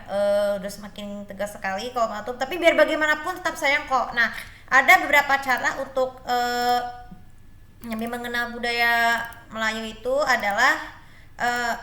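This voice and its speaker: Bright-voiced woman, echoey room. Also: on the high side. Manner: rambling, many fillers and restarts. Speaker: tutorial video host. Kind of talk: casual explainer talk to camera.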